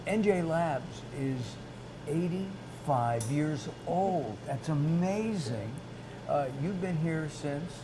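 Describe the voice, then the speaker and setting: A man hosting an interview, speaking haltingly and often restarting his words. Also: on the high side, lively intonation. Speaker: interview host. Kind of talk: casual interview. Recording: noisy background.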